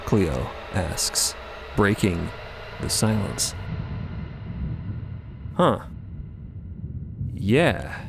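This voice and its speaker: A man's voice: sits low, very animated, drawn-out words, vocal fry, pauses often, background noise. A man narrating a fiction podcast in a theatrical, emphatic storytelling style with casual asides. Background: music under the narration.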